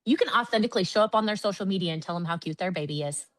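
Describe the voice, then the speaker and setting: A woman's voice: lowish voice, very fast, no room sound, poor audio. Chatty woman giving a sales pep talk. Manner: energetic, chatty, addresses audience as guys. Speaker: network marketing trainer. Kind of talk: motivational training talk.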